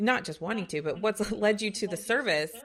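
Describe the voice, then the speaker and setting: Noticeable background noise is present. The speaker, a woman, keeps a moderate pace. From Canada. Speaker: podcast host. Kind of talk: interview podcast. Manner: animated.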